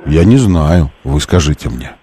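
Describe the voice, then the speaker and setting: A man hosting a live radio quiz show, chatting casually in a halting, self-correcting way with playful exasperation. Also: a bass voice, lively intonation, warm tone, slight background noise. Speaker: radio host.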